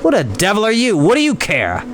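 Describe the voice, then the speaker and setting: Man playing a blustering, spiteful innkeeper, animated, high-pitched. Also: a little fast, heavily acted. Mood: dismissive, irritated. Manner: sneering, snapping, taunting. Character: blustering sly scornful innkeeper, spiteful cheat.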